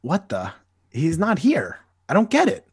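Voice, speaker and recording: Wistful adult hero, husky, lively up-and-down delivery, dry close mic, read by a man. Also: fairly high pitch, unhurried, no echo, heavily acted. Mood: earnest. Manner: wistful, earnest inner monologue. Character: nostalgic grown-up superhero, adult man. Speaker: podcast co-host. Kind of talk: amateur comic dramatic reading.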